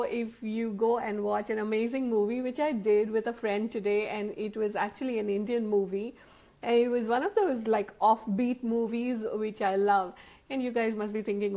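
Woman, live-stream host, casual chat, bubbly and chatty, slightly high voice, close phone mic. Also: a little mellow. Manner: bubbly, chatty, greets viewers by name.

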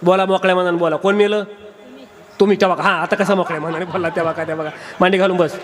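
A man's voice: sits high, fairly even intonation, fast talker, crowd noise. A male kirtan preacher giving a comic sermon, teasing and quizzing his audience at a live gathering.

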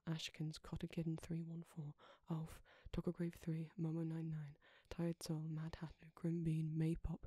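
Hushed, very dry ASMR voice. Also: medium pitch, husky, dry recording. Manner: hushed, soft, often slipping into whisper. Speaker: ASMR creator. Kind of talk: ASMR, reading a list of patron names.

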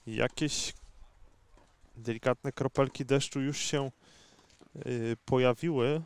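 Male tennis commentator: smooth, clean tone, unhurried and conversational, pausing as he calls the match. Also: mid-range voice.

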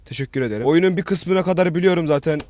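Fast-talking young gaming YouTuber, man. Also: a little high, a little mellow. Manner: rambling, swears freely, self-mocking jokes. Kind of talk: casual let's-play commentary.

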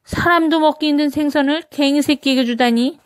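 A woman's voice: high voice, a little fast, dry recording, voice pushed up, close to an everyday voice. Woman acting a scolding old country grandmother. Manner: blunt, scolding, rustic wording.

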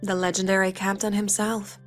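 An earnest, guarded young woman, voiced by an actress, talks in a game cutscene. Her voice sits at a middle pitch and her delivery is measured. There is faint music behind her. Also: level tone, lightly acted. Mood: earnest, calm. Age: young adult. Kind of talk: dramatic game cutscene acting.

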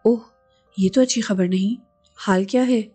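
A woman voicing a young husband, calm and reassuring, with gentle, steady dialogue reading. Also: medium pitch, normal speed, faint music behind, close to an everyday voice.

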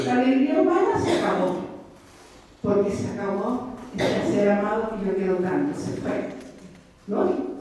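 A woman telling a personal religious testimony in a lively storytelling manner, often checking in with her listeners. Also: sits high. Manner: animated storytelling, often asking "¿ya?". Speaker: lay speaker giving a testimony. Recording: echoey hall, voice from far off, faint background noise.

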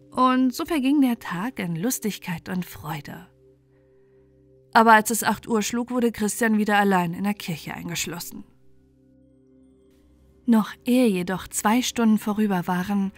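A woman reading a bedtime fairy tale as an expressive, measured storyteller. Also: mid-range voice.

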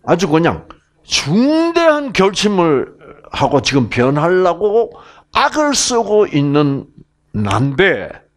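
Slow, lively male health lecturer. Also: sits high. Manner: animated storytelling, acts out sounds.

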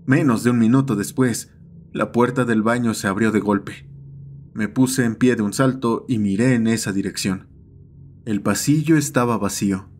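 A man's voice: lowish voice, a little mellow. Male horror narrator over music. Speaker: narrator and host of a horror story channel. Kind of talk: scripted horror story narration. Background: background music.

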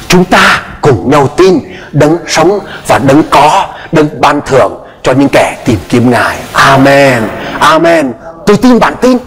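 A male pastor preaching a sermon in a church with impassioned delivery, acting out the people in his story. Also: on the high side. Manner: impassioned, acts out quoted voices. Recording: long hall reverb.

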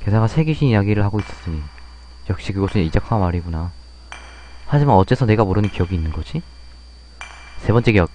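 A man's voice: lowish voice, lively intonation, fast talker, pauses often, mellow, a little hiss or hum. A man playing a game and thinking aloud in casual commentary. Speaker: game player.

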